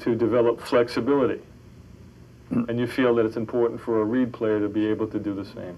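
A man's very fast speech in a monotone, flat intonation. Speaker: saxophone and clarinet teacher. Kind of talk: interview questions to a guest. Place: home room. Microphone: lapel.

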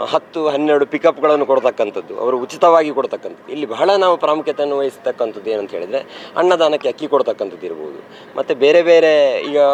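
Noticeable background noise runs behind a man's voice. The sound is dry and close, with no echo. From Tulu Nadu, coastal Karnataka. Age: 30s. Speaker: head of a traditional shrine family. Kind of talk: interview.

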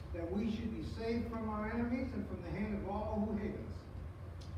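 Over noticeable background noise and strong room echo, a man talks at a moderate pace. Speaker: pastor or church leader. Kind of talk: scripture reading and sermon, then prayer. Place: church.

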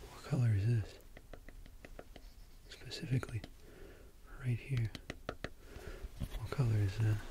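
A soft-spoken man at a fairly slow pace, with long, frequent pauses and noticeable background noise. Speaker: ASMR creator. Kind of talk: soft ASMR roleplay instructions. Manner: soft, hushed ASMR speech. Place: home room. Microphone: studio mic.

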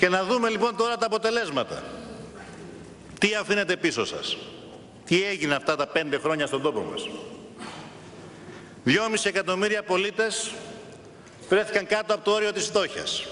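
Speaking in a raised, projected voice at a moderate pace, a man leaves long, frequent pauses, with ordinary pitch variation and light background noise. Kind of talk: parliamentary speech. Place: hall. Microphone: podium.

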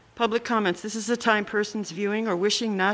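A woman talks at a very fast pace. Her intonation is flat and monotone. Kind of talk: formal meeting procedure reading. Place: meeting room. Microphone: podium.

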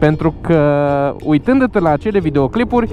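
With clear music in the background, a man's voice comes through dry, without echo. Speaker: motovlogger. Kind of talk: casual vlog chat. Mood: reflective, advising. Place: motorbike. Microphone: helmet.

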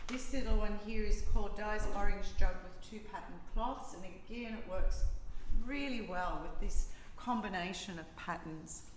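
With an Australian accent and a warm, enthusiastic tone, a woman talks at a moderate pace with big swings in loudness, amid noticeable background noise and audible room echo. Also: ordinary pitch variation. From Australia, Hawkesbury region near Sydney. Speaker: gallery curator. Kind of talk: informal walk-through gallery tour, chatting to camera painting by painting. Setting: walking through an art gallery, filmed video. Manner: warm, enthusiastic, gushing about favourite paintings; rambling and halting, with fillers and repeated words. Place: hall. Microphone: phone near.

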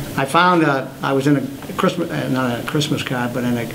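A man with an American accent speaks against noticeable background noise. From US Northeast, Boston. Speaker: retired military general and author. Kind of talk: talk with audience Q&A. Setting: room with live audience, also online. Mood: calm, reflective. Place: meeting room.

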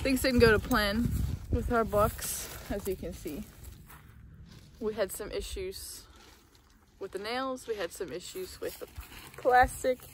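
A woman at a fairly slow pace with long, frequent pauses, a dry sound with no echo, and light background noise. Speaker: gardening vlogger. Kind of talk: casual vlog chat. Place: garden. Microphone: phone near.

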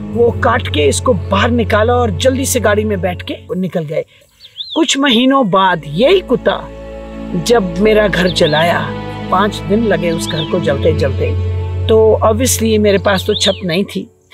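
A woman speaks at a very slow pace. The sound is dry with no echo, and clear music plays in the background. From Himachal Pradesh, India. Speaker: animal rescuer. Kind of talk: documentary interview answer. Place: open country.

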